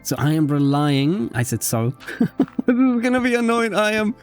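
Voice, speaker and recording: A man whose first language is Spanish, speaking English in an unscripted casual gaming vlog with a self-conscious, halting manner. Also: sits high, very animated, clear, resonant tone. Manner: self-conscious, halting, often giggling at own slips. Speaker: video creator. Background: background music.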